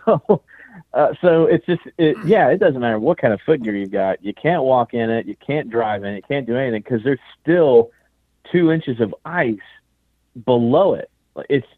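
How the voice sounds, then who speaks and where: A man's voice: medium pitch, lively intonation, normal speed, no echo. A man from Texas on the phone as a guest, chatting casually and rambling with many restarts. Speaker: guest calling in. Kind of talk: casual chat. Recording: tinny phone line.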